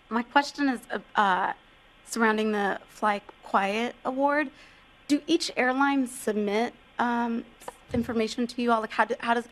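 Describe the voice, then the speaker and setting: A woman's voice: on the high side, poor audio. A female commissioner speaking at a formal public meeting. She sounds polite and inquisitive as she asks staff to clarify a process. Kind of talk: formal meeting remarks and questions.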